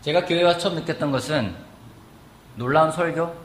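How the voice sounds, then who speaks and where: A man preaching a sermon in a church, asking the congregation questions and acting out quotes in a lively way. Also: on the high side, brisk, a little hiss or hum. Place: church sanctuary. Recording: echoey church hall with faint ambience.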